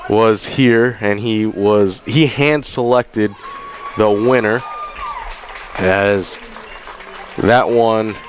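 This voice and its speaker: A man's voice: on the low side, slight background noise. A man doing color commentary at a college baseball game, chatty and joking, with many restarts. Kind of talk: sports commentary and banter.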